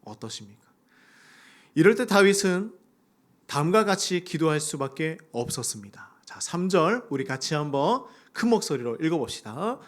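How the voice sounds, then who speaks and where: A man's voice: a little high, sing-song, moderate pace. A male pastor preaching a sermon, acting out prayers in a raised voice. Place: church sanctuary.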